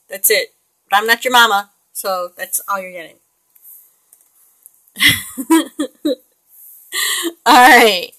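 A woman in her late forties chats and rambles as she works on a digital painting, laughing often. Her voice sits a little high and bright. The sound is dry and close. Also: dry recording, poor audio. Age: 40s. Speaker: digital artist. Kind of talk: casual chat while painting on screen.

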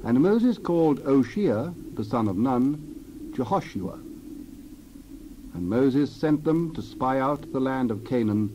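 Measured male scripture narrator, dull noisy recording. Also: medium pitch, animated, mellow. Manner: measured, deliberate phrasing.

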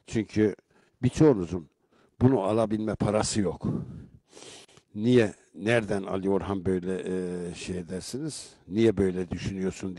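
Mellow-voiced man hosting a local show. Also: lowish voice, dry recording. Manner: conversational, turning rhetorical and emphatic when he comments. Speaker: local broadcast host reading viewer comments. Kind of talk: casual live-show commentary.

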